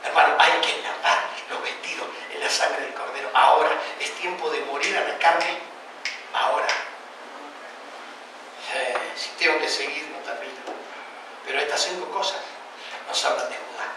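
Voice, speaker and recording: A man's voice: fairly high pitch, steady tone, moderate pace, creaky, pauses often, noisy background. A man from Argentina with an Argentine Spanish accent, preaching a sermon with passion and firing rhetorical questions at his listeners. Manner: impassioned, addresses listeners as brother, rhetorical questions. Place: church hall. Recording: echoey church hall, mic at a distance.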